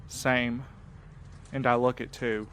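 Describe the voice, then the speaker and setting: A man's voice: mid-range voice, little pitch movement, takes it slowly, a bit bright, a little hiss or hum. A man playing a weary, protective and dryly sardonic character in a naturalistic audio drama. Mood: weary, worried.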